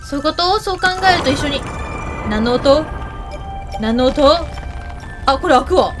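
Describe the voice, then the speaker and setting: A woman talks through a game in a high, animated voice. She chats to the characters on screen and to her viewers. Soft music plays behind her. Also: normal speed. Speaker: game video host. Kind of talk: lively gameplay commentary.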